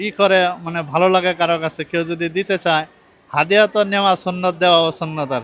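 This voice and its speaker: A man speaks with a high-pitched voice. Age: 50s. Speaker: blind street shopkeeper. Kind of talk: interview testimony.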